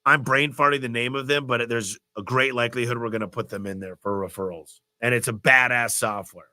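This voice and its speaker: Stuffy-nosed man, bright energetic voice. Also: medium pitch, fairly quick. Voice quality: stuffy, nasal. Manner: energetic, motivational, rambling. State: congested with a cold. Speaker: host of a business Q&A livestream. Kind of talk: live Q&A answering viewer questions.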